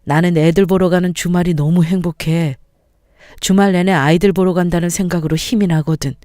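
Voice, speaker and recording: A hardworking husband speaks fondly of his son and wife, as a woman plays him. His voice sits fairly low, with affectionate and cheerful delivery. The recording is dry and close in this spoken storybook. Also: steady tone, fairly quick, dark tone, no room sound, natural voice. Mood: tender. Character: warm hardworking husband and devoted father.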